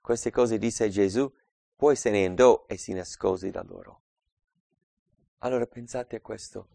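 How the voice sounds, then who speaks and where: A man preaching a Bible study, reading scripture aloud and explaining it, swinging between loud emphatic passages and quiet asides. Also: lowish voice, measured pace, gravelly, no echo. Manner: reads scripture aloud and explains it, calling out verse numbers.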